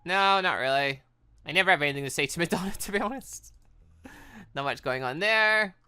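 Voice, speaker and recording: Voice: medium pitch, animated, fairly quick, sharp tone, smooth. A British let's play host giving casual commentary on a game, rambling and thinking aloud. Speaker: gaming video host.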